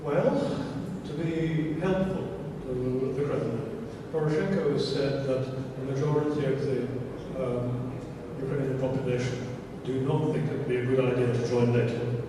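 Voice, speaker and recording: A man's voice: medium pitch, steady tone, normal speed, hardly any pauses, noisy background. A middle-aged man from Belgium speaking at a panel discussion, emphatic and blunt, with frequent fillers. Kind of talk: policy discussion talk. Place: large conference hall. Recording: echoey hall, picked up from far off.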